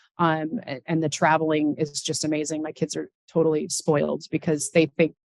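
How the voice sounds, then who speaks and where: A woman with an American accent speaks at a very deep, low pitch, with vocal fry and fairly even intonation. The sound is dry and close, with no echo. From US Pacific Northwest (Seattle area). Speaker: pilot. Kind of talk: panel discussion. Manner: casual, filler-heavy.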